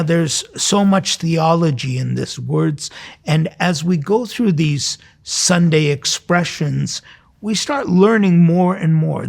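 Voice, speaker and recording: Male priest-host, heavy vocal fry, husky, slightly high-pitched. Informal, conversational preaching aimed straight at the listener. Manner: conversational, addresses listeners directly with questions. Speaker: priest hosting a weekly devotional programme. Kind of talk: informal spoken sermon to listeners. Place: recorded in a cathedral choir loft.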